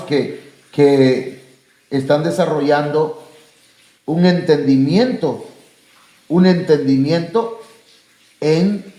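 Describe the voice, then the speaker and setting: A man's voice: a little high, darkish tone, reverberant. A man with a Mexican Spanish accent, preaching and leading prayer in a plain, conversational way with many fillers. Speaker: pastor. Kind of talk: sermon and closing prayer to a church and online viewers. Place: church sanctuary.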